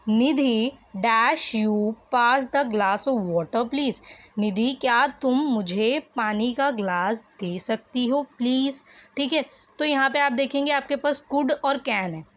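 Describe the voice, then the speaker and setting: A woman's voice: on the high side, highs cut off. Patient woman teaching grammar. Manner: patient, repeats questions and answers for students. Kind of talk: online worksheet lesson, explaining grammar.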